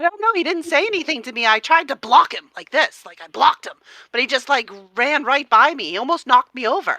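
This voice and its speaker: Doing a put-on character voice, a woman talks very fast at a high pitch with very wide pitch swings and big swings in loudness, the sound dry and close with no echo. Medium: actual play.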